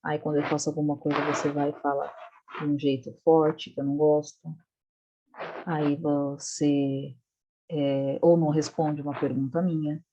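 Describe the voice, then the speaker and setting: Calm, reasonable young girl, low and mellow, voiced by a woman quoting her daughter. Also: moderate pace, lo-fi sound. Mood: calm, earnest. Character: eleven-year-old girl, calm and reasonable.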